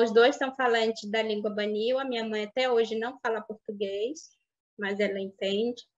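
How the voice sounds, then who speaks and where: Woman speaking Portuguese as a second language. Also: fairly high pitch. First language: Baniwa. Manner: reflective, halting with restarts and soft fillers. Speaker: interviewee. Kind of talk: life story interview. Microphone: webcam on video call. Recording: dull lo-fi video call audio.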